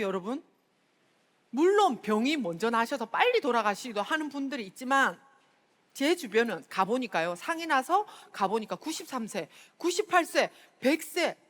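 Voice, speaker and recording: A middle-aged Busan woman speaks in a high, very animated voice, telling stories and calling out to the crowd. She gives a motivational talk at a seminar. Her voice rings with the long reverb of a large hall. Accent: Busan dialect of Korean. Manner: chatty and storytelling, often calling out to the audience. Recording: reverberant hall, stage mic.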